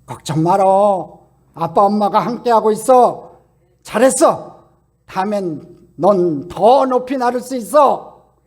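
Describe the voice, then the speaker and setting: A loving parent eagle calls out to its young in a slow, ringing voice, as a preacher puts it on. The voice climbs high and swings widely. It has a gravelly edge. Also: male voice, expressive, heavily acted. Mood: reassuring. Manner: loud, slow, ringing exhortation. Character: wise loving parent eagle urging its chick.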